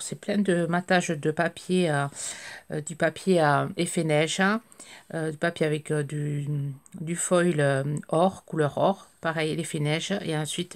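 A middle-aged woman, slightly hoarse, chatting hesitantly with many fillers as she opens craft mail at home. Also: deep voice. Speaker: craft vlogger. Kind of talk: casual chat while unboxing mail. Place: craft table indoors, home.

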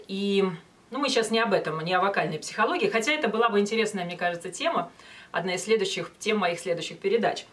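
Woman, forties, vocal coach, instructional delivery, medium pitch, pausing between phrases, recorded a little way from the mic. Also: fairly bright tone. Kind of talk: instructional talk with short sung demonstrations. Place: small indoor studio with banner backdrop. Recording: voice some distance from mic.

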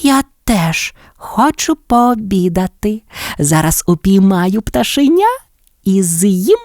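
A woman's voice: mid-range voice, big pitch swings, slow, darkish tone, no echo, studio quality, pitched above the performer's own voice. A woman voicing a big, greedy black tomcat in a storybook, with a sly, drawling manner. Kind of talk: storybook voice acting.

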